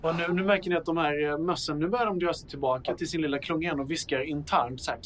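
A man's voice: a little high, steady tone, crowd noise. A man running a tabletop game, casually describing scenes with chatty fillers. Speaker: game master.

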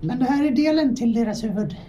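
A woman's voice: on the high side, expressive, warm tone, a little hiss or hum, lightly acted. A woman voicing a stern, secretive female rebel leader animal who speaks in a commanding, curt way.

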